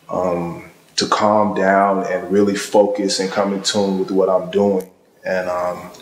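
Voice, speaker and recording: A man in his thirties telling a documentary interviewer how he came to yoga, in a steady and measured way. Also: low voice, a little hiss or hum. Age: 30s. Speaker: interviewee, former pro basketball player. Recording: echoey hall from a distance.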